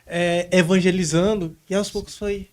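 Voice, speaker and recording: High-voiced man in relaxed chat. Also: moderate pace, a little hiss or hum. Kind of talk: casual chat.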